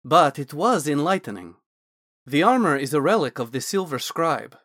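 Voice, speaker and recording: A man voicing a curious, blithe male dragonborn scholar-mage who lectures in a brisk, lightly excited way. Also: fairly high pitch, no room sound, clean studio sound. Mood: explaining.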